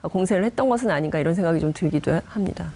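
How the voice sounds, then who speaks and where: A woman's voice: fairly low pitch, expressive, rapid-fire, mellow. A woman giving political analysis on a discussion panel, explaining in long chained sentences. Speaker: panel commentator. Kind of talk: political news analysis in conversation.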